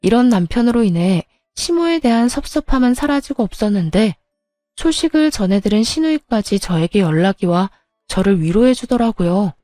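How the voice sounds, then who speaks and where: A woman narrates a first-person story in an even, confiding manner. Her voice is mellow and warm, recorded close and dry. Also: mid-range voice, normal speed, no echo, soft background music.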